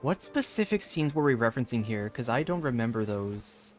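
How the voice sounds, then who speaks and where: A woman with a strikingly deep voice comments casually while streaming a game. Her talk is informal and reactive, with music playing behind her. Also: sing-song, a little fast, darkish tone.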